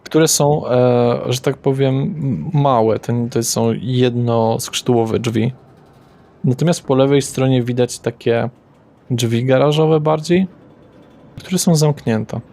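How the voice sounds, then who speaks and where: A man's voice: medium pitch, slow pace, mellow. A man as game master, describing scenes loosely with fillers and self-corrections, on a home mic. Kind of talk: narrating a tabletop game.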